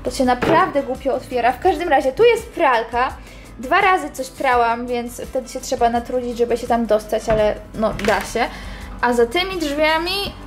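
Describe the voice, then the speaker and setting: A woman in her twenties chatting casually as she walks a camera around her small apartment, pointing things out. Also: high-pitched. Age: 20s. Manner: chatty, walking and pointing at things while talking. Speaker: vlogger. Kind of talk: casual house tour vlog. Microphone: handheld camera at arm's length.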